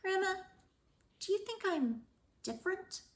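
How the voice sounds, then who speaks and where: A woman's voice: extremely high pitch, sing-song, unhurried, voice pushed up, exaggerated voice. A woman voicing an earnest little girl in a storybook, with a small, plaintive manner. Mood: plaintive, unsure. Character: earnest little girl who struggles to read.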